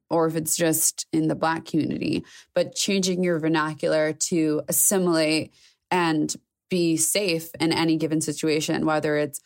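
A woman co-hosting a podcast, speaking in a thoughtful, measured way as she raises a question to a colleague. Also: sits low. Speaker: podcast co-host. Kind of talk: casual podcast discussion.

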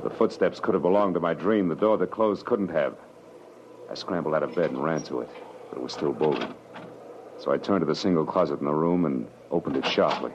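A man's voice: rumbling low, a little fast, highs cut off. An American man acting in an old radio drama as a tough, wry private detective, terse and slangy. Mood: grim, wry. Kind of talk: 1940s radio drama acting, first-person narration. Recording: noisy, band-limited old radio recording.

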